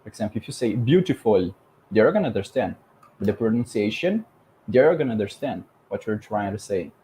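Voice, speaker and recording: Brazilian host, Portuguese native, fluent and emphatic English, lower voice. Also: male voice, big pitch swings, brisk, dark tone, a little hiss or hum. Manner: fluent, emphatic, drives points home with rhetorical questions. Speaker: podcast host. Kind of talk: casual conversation about language learning.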